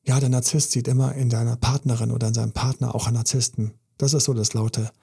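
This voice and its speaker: A man's voice: mid-range voice, level tone, fast, creaky, warm tone, husky. A man, a relationship coach giving an emphatic, intense podcast monologue full of repetition.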